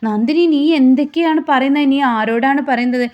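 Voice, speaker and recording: A woman's voice: fairly high pitch, fairly quick, darkish tone, muffled recording, close to an everyday voice. Woman doing an exasperated young husband. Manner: exasperated questioning. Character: flustered young husband, scolding his wife.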